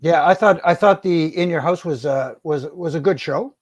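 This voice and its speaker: A man's voice: on the high side, moderate pace, no room sound. A middle-aged man giving casual podcast commentary on wrestling, hesitant with many uhs and repeated words. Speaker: podcast co-host, former wrestling referee.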